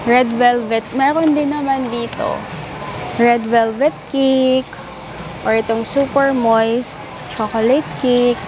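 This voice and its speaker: A woman's voice: a little high, fairly even intonation, takes it slowly. A young woman casually narrating a shopping vlog, chatting and reading out product names and prices, filmed on a handheld camera at arm's length in a large supermarket. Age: young adult. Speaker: vlogger. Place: large air-conditioned supermarket. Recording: noisy store ambience.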